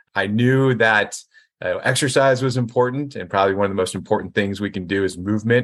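A man with an American accent talks at a fairly quick pace in an unremarkable speaking voice. His pitch is medium with ordinary variation, over a quiet background. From US Pacific Northwest, Oregon. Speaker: chief executive of senior care organization. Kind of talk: interview.

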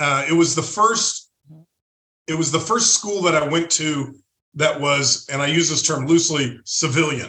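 This man has an American accent and a fairly high pitch. His pitch varies in an ordinary way at a moderate pace. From US military bases, incl. Germany. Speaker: radio host. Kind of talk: casual interview chat. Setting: remote from home. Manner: halting, with frequent repetitions.

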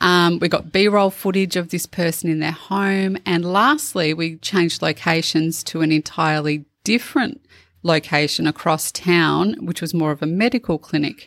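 In a very clean recording with a silent background, a woman speaks with an Australian accent at a moderate pace. Her pitch is fairly low with ordinary variation. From Australia, Melbourne. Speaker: documentary filmmaker and podcast host. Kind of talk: solo tutorial podcast.

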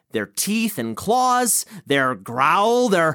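A put-on character voice at a middle pitch swings very widely up and down. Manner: growling, menacing.

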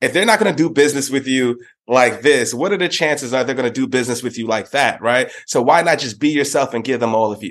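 A man speaks in an animated tone with a fairly high pitch. His pace is fairly quick, and the background is quiet. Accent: New York. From New York City, the Bronx. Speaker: sales executive. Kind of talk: casual interview.

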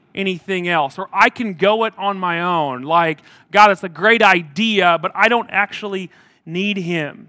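Raised and projected, a man's high-pitched voice with an American accent carries a bright, sharp tone and ordinary pitch variation, in a dry, close sound with no echo and a very clean recording with a silent background. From US Midwest (north central Nebraska). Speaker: pastor. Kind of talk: sermon.

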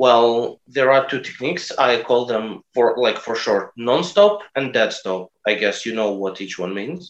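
A man with a non-native accent at medium pitch, fairly slow yet with hardly any pauses, and lively intonation. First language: not English. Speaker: weighted calisthenics athlete. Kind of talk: interview.

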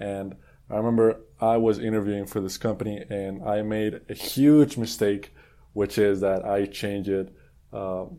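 A man speaks in a Spanish accent at a fairly slow pace, his pitch fairly low with fairly even intonation. His tone is dark and mellow, on a very clean recording with a silent background. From Colombia. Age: 20s. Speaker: podcast host, business student. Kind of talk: interview.

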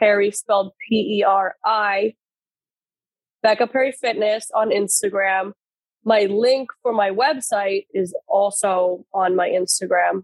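A woman with an American accent uses a plain, everyday voice at medium pitch, speaking at a fairly slow pace with fairly even intonation and very even loudness in a dry, close sound with no echo. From New Jersey. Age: 30s. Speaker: health and wellness coach. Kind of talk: casual interview chat.

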